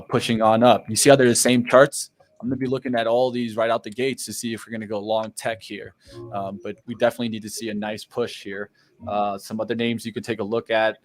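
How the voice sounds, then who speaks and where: A man co-hosting a live stock trading show, walking viewers through stocks to watch with a coaching tone. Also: lowish voice. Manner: coaching tone, checks in with listeners with repeated "right?".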